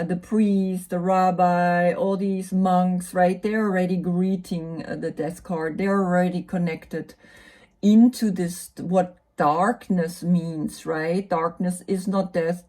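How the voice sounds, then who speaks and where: A woman with a German accent talks through tarot cards slowly and without hurry. Her voice sits a little low and sounds dark and mellow. She muses aloud, with many fillers and tag questions. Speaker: tarot reader and yoga teacher. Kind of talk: casual explanatory talk about tarot cards.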